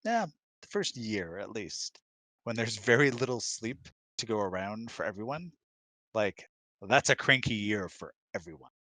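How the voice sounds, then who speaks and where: Male co-host, somewhat deep voice, dry sound, talking through relationship advice in a relaxed conversational style. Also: unhurried, no echo. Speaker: husband co-hosting a live Q&A. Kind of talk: casual conversational advice chat. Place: close-miked online voice chat, dry.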